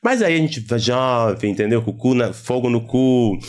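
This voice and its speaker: A man's voice: mid-range voice, animated, normal speed. A man with a Brazilian accent casually telling his own story as a podcast guest.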